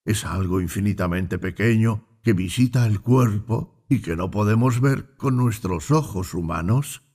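A grave country doctor in a spoken fable, low and measured in tone, as a man plays him. His voice is dark and husky, with a slow pace. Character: calm grave male doctor.

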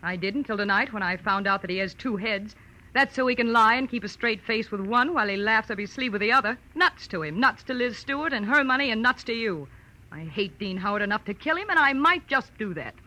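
Sharp-tongued, bright-voiced nightclub singer. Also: female voice, a little high, expressive, a little fast, rough recording. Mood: scornful. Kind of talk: 1940s radio drama acting.

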